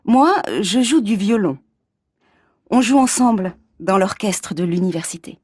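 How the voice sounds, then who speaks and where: A woman from France performing everyday scenes in a scripted dialogue for learners, speaking clearly and expressively. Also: medium pitch, lively intonation, unhurried, a little mellow, no room sound, studio quality.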